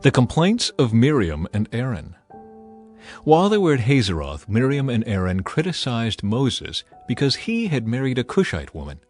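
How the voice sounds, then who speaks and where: A man narrating a dramatized Bible reading in a deliberate, solemn and expressive way. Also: mid-range voice, soft background music.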